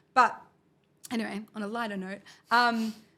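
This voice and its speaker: A woman's fairly high voice, bright and sharp in tone and animated, with ordinary pitch variation, in a very clean recording with a silent background. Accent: Australian. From Australia. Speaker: content creator. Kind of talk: casual interview chat. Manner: loud.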